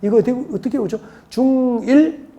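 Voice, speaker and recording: A woman's voice: on the high side, moderate pace, vocal fry, mellow, muffled recording. A woman from Seoul giving an exam-prep lecture, firing rhetorical questions and drilling mnemonics by repetition. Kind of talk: classroom lecture.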